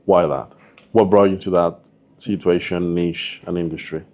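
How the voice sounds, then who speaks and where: A man's voice: deep voice, steady tone, normal speed, a little mellow. A man hosting a podcast interview, asking short questions and giving brief replies. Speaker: podcast host.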